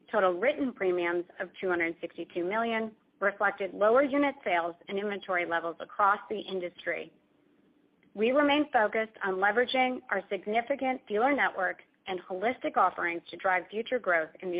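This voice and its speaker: A woman company executive reading a scripted earnings call presentation in a formal, measured corporate manner. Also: medium pitch. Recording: dull, band-limited conference call audio.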